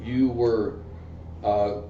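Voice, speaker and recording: A man hosting an interview, asking his questions in a soft-spoken, measured, slightly hesitant way. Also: on the low side, steady tone, slight background noise. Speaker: interview host. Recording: distant mic in an echoey room, dull.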